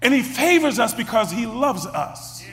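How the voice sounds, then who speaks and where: A preacher with a strikingly high voice delivers a sermon, stumbling over and repeating words as he builds toward shouts. His voice rings out with a long echo, as in a large hall. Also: big pitch swings, a little slow.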